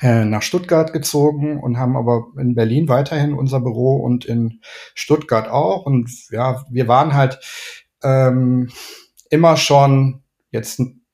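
A middle-aged man from Düsseldorf chats as a guest in a podcast interview. He talks in a loose, rambling way, full of fillers and restarts, in a voice of middle pitch. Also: fairly even intonation, a little slow, a little mellow. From Düsseldorf, Rhineland. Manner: chatty, many fillers and restarts. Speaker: guest, ad man and gallery owner.

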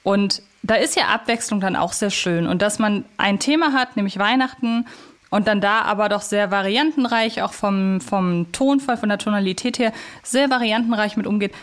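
A woman's voice: medium pitch, normal speed. A woman hosting a casual review podcast, wordy and opinionated, carefully qualifying her points. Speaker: podcast host. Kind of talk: casual review chat about audio dramas.

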